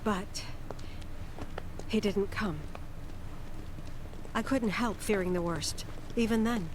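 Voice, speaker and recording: A woman's voice: mid-range voice, slow, background noise, lightly acted. A middle-aged woman playing a tender, wistful foster mother who narrates her memories in a video game cutscene.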